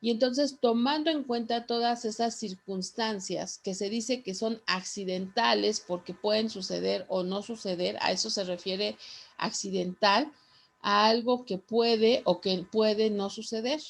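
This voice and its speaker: A woman teacher dictating a lesson to students, repeating phrases in a slow, deliberate way. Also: medium pitch, steady tone, creaky.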